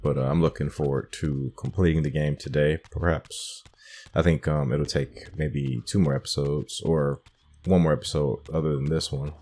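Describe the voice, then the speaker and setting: A man's voice: extremely low pitch, moderate pace, vocal fry, a little mellow. A man giving casual gameplay commentary as host of a playthrough, hesitant and thinking aloud. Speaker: gamer hosting a playthrough.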